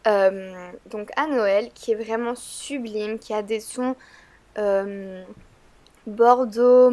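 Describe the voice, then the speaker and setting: A woman with a cold, talking through a makeup tutorial in a chatty, hesitant way with frequent "euh" fillers. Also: a little high. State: stuffy-nosed from a cold. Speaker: beauty vlogger.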